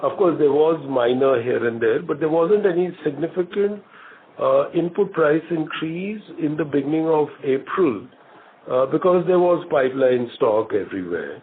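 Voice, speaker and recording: An Indian man, a company executive, answering questions on an earnings call in a measured, formal, hesitant way with frequent pauses. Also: fairly high pitch, expressive. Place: conference call. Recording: muffled narrow phone line with some noise.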